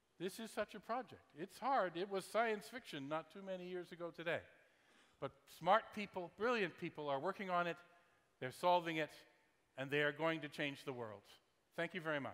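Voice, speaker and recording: Marked by long, frequent pauses, the speech comes at a moderate pace with lively intonation in a Canadian accent. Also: man, high pitch for a man. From Canada. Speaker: technology speaker. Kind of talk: conference keynote.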